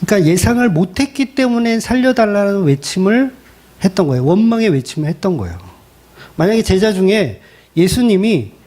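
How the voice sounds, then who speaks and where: A male pastor delivers a sermon in an animated, colloquial style, acting out the lines he quotes. His fairly high voice swoops widely in pitch, with a mellow rather than bright tone, and he talks a little fast.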